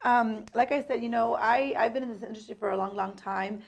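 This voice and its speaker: A woman's voice: fairly high pitch, a little fast, gravelly. A woman from San Jose, California, a mortgage loan officer co-hosting a casual podcast, speaking in a friendly, earnest way. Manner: friendly, earnest, uses "um" often.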